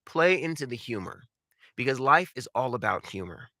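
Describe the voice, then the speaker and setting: A man's voice: medium pitch, sing-song, normal speed, bright, forceful tone, dry recording, studio quality. A man coaching voice acting in an instructional talk, speaking emphatically and often posing rhetorical questions. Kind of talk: instructional talk with acted examples.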